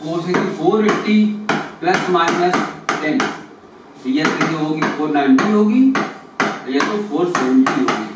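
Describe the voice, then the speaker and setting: A man's voice: a little high, a little slow. A man teaching physics, working through exam questions and asking and answering his own questions. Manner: addresses students as kids, asks and answers his own questions. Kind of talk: explaining exam solutions. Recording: echoey room, mic far off, noisy.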